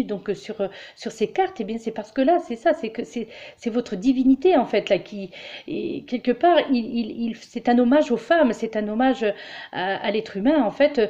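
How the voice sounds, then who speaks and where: A woman giving a tarot reading for the week, talking to viewers as dear friends, halting, with many fillers and restarts. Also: a little high, muffled recording. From France. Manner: addresses listeners warmly as dear friends. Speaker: tarot reader giving weekly guidance. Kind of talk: casual spiritual monologue to viewers.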